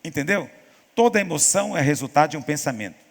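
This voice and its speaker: A man preaching as a pastor in a church teaching session, telling stories and acting out quoted voices with lively emphasis. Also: on the high side, quick pace, creaky, in a large hall. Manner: animated storytelling, acts out quoted voices.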